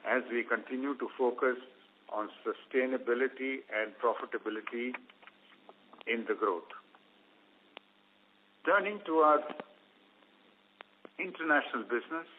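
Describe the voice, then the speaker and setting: Over a thin, phone-like conference line comes a man with an Indian accent and a medium-pitched voice. He presents company results from a script. His delivery is formal and measured, set out phrase by phrase like an executive reading to investors. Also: slight background noise. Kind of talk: scripted earnings call presentation. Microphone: conference call line. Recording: phone-like, narrow-band conference call line.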